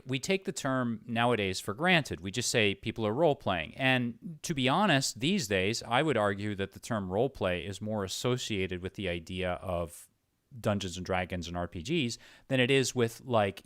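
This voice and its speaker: A man's voice: fairly low pitch, animated, moderate pace, fairly bright tone, dry recording, clean studio sound. A man interviewing in a casual, reflective way, thinking aloud as he goes. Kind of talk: casual thoughtful conversation.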